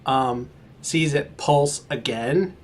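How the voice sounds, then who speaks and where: A man's voice: medium pitch, slow pace. A man acting as game master, casually narrating a tabletop game to his players.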